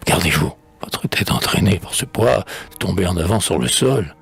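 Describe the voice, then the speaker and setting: An actor playing a proud, witty, mocking swordsman in a hammy, theatrical verse recitation, with a husky, gravelly voice. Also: sits low, lively intonation, moderate pace, a bit bright, exaggerated voice. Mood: playful, theatrical. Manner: hammy stage-actor declamation, switching tones with relish. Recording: music playing under the voice.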